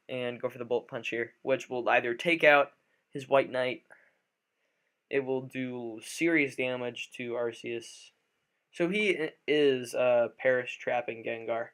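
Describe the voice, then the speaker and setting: A man with a slightly raspy, just-woken-up voice, talking through a game live with many fillers and restarts. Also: mid-range voice, fairly bright tone. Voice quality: a little raspy. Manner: thinks aloud with frequent fillers and restarts. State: just woke up. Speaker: gaming commentator. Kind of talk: live gameplay commentary.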